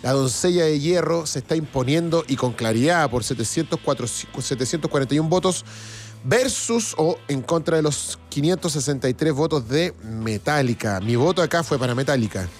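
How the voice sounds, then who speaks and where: A Chilean man hosting a casual radio music show, talking with enthusiasm and halting restarts. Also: a little high, lively intonation. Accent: Chilean Spanish. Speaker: radio host. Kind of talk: casual radio chat reading listener comments.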